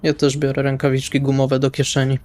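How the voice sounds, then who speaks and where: A man's voice: mid-range voice, monotone, a little fast, darkish tone. A man playing a tabletop role-playing game, improvising dialogue and narrating his actions casually in colloquial speech. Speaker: tabletop RPG player.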